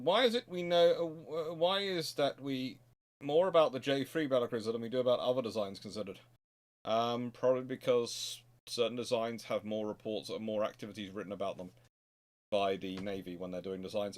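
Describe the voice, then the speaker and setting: Man, naval history host, chatty livestream answers, discursive, mid-pitched voice. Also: a little fast. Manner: rambling, discursive, restarts sentences. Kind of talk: informal livestream question-and-answer.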